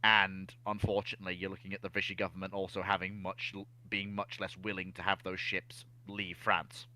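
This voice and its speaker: Bright-voiced man analysing history. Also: low voice, level tone, a little fast, rough recording. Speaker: naval history discussion panelist.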